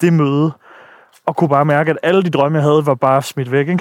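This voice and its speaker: Very fast speech with a dry, close sound and no echo. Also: man. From Denmark, Sejs near Silkeborg (central Jutland). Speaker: film director. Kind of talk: casual interview on location. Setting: outdoors walking around hometown. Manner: halting with repetitions.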